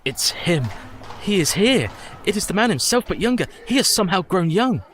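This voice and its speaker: An actor in a radio play playing a nervous young husband, a former clerk, who speaks formally and is easily alarmed. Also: male voice, high-pitched, big pitch swings, moderate pace, a bit bright, slight background noise. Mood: shocked. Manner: formal speech, prone to alarm.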